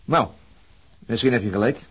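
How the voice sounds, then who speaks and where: An actor playing a sober, weary police detective in a radio drama, restrained and questioning, with a very husky voice. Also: male voice, medium pitch, normal speed, fairly bright tone.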